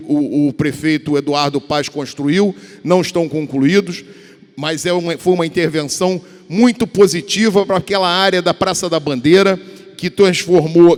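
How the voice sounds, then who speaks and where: Man in his fifties, Carioca accent, formal legislative speech, rambling restarts, large reverberant chamber. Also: fairly high pitch. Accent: Carioca Portuguese. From Rio de Janeiro, Brazil. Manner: rambling, repeats and restarts words, addresses colleagues. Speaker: state deputy. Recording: long reverb of a large hall.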